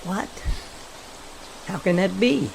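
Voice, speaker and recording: A man playing an easygoing, plain-spoken hunting companion with a creaky voice in an amateur audio drama. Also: high-pitched, slow pace, heavily acted, poor audio. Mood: puzzled. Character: agreeable, easygoing hunting buddy in the wilds. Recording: clear background noise.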